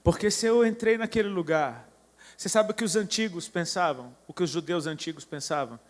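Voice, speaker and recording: A man with a fairly high voice preaches, telling a personal story that rises into fervent proclamations. His words ring out with a long reverb tail. He sounds middle-aged. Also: brisk. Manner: storytelling, building to fervent declarations. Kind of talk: sermon.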